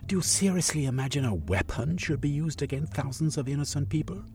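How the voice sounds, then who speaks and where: A man reader voicing an indignant, sharp-tongued wife who answers with scornful, cutting retorts. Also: low voice, sing-song, fairly quick, soft background music, voice pushed up.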